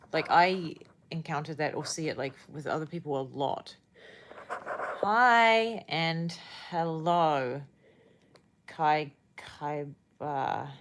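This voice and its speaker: With a deep voice, a young woman with a Kiwi accent chats loosely with livestream viewers, wandering off topic and often searching for words.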